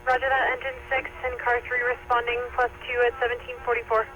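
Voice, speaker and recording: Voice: mid-range voice, monotone, fast. A police and fire dispatcher on a two-way radio, clipped and formal, repeating messages back. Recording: muffled radio scanner with loud noise.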